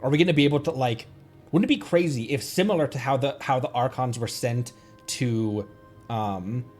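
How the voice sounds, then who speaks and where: A man giving casual livestream commentary on a game, playfully thinking aloud. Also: mid-range voice. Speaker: streamer.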